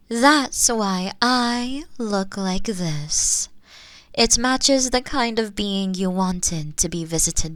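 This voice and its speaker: A woman voicing a gentle, ageless otherworldly spirit in a comforting audio roleplay, speaking softly and formally with breathy, near-whispered phrase endings. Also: a little high, no echo, heavily acted. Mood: serene, wry. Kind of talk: scripted comforting audio roleplay, soft ASMR delivery.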